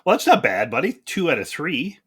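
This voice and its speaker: A man's voice: fairly high pitch, very animated, fairly quick, over a noisy crowd. A man hosting a podcast in a casual, conversational interview style, with a folksy, encouraging manner and frequent words of agreement. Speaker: podcast host.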